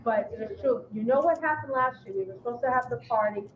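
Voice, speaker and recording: A woman's voice: a little high, fast talker, highs cut off, noisy background. A woman organizing a fan gathering, speaking to a crowd in an upbeat way.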